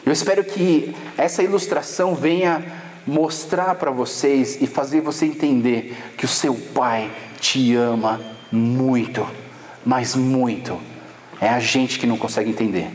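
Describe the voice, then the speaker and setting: A man's voice: medium pitch, a little slow, slight background noise. A male pastor with a Brazilian Portuguese accent, giving a casual, slangy sermon to young people at a camp and telling stories with acted quotes. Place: church camp hall. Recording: long hall reverb.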